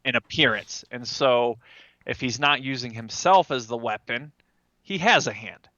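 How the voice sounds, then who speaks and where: A man's voice: mid-range voice, a little slow, bright, forceful tone, dry recording, lo-fi sound. A man playing a tabletop game, casually describing his character and chatting with the group.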